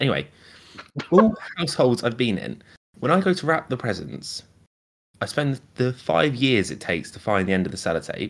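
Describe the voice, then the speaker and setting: A man at medium pitch with vocal fry, very wide pitch swings, big swings in loudness, a moderate pace and long, frequent pauses. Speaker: podcast co-host.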